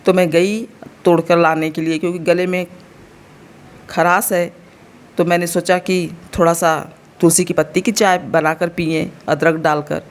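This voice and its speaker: Her voice sits on the low side, level in tone and a little slow. She is a vlogger in her thirties from India with an Uttar Pradesh Hindi accent and a slightly sore throat, chatting casually at home and explaining things directly to her viewers.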